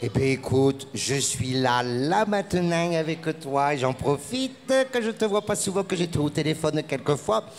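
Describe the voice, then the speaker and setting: A man's fairly high voice with very wide pitch swings, very even loudness, hardly any pauses and a fairly slow pace, over noticeable background noise. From southern France. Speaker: comedian. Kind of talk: casual interview. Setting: festival dressing-room studio. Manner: animated.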